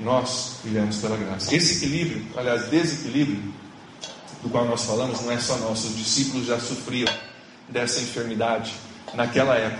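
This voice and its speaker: A man speaks at a medium pitch with fairly even intonation. Noticeable background noise and audible room echo surround his voice. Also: moderate pace. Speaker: pastor. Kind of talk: sermon.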